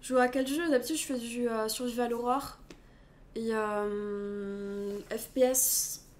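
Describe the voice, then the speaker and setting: A woman's voice: on the high side, steady tone, slow pace. A young adult woman with a French accent, a streamer chatting casually, reading out and answering chat while switching languages.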